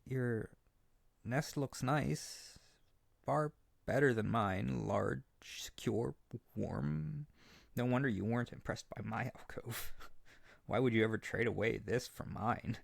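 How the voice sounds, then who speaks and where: A man playing an earnest, lovesick young harpy bird-boy in a roleplay audio drama, gentle and insecure, speaking tenderly with hesitant stammers. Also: medium pitch, slow pace, creaky, dry recording, studio quality, heavily acted. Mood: mopey, resigned. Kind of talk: roleplay audio drama spoken intimately to the listener.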